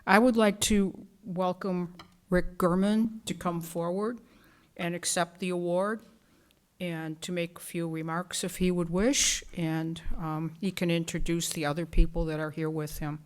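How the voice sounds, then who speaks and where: A woman's voice: fairly low pitch, fairly even intonation, unhurried. A woman presenting an award at a village board meeting, speaking earnestly with some fillers and restarts. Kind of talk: public remarks at a meeting. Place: council chamber.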